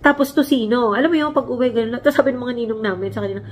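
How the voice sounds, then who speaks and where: Woman, 40s, from the Philippines, vlog host, animated storyteller, high voice, faint background noise. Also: very fast. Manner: animated, acts out quotes, laughs while telling. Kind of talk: casual storytelling chat. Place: home, Canada.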